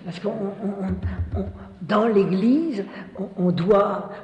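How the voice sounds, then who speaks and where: A man's voice: sits high, slow, darkish tone. Man, preacher, earnest spiritual teaching, repeats himself, roomy long-reverb hall. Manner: earnest, repeats words, frequent "hein" asides.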